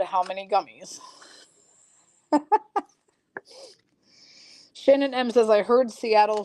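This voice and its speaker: A woman with a mid-range, darkish voice hosts a live-streamed card break, chatting casually with viewers as she reads off card names and teams. Her voice sounds slightly froggy, and the dry recording is of poor quality.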